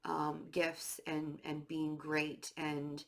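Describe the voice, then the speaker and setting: A woman with a cold gives a casual tarot reading to camera, her voice stuffy and slightly nasal. She's chatty, full of "um" and "like," and says she's nervous and fidgety. Her voice is deep and vocal-fried, delivered completely flat and very slowly.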